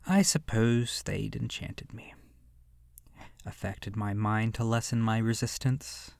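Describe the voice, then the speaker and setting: Slow, creaky, seductive vampire played by a man. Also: lowish voice, fairly even intonation, dry recording, clean studio sound. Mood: enraptured reminiscing. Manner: slow, hushed, lingering pauses, breathy whispering. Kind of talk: ASMR horror roleplay monologue. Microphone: close microphone.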